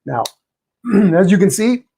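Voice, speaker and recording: A man hosting a live painting stream, greeting viewers by name in a friendly, chatty way, his voice a little hoarse and tired, clearing his throat now and then. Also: high voice, expressive, slow pace, warm tone, a little hiss or hum. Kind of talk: live-stream chat and teaching.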